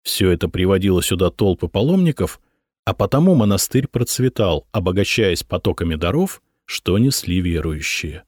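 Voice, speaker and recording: A man narrating an audiobook expressively, rising in pitch on dramatic moments. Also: animated, moderate pace, a little mellow, no echo, clean studio sound.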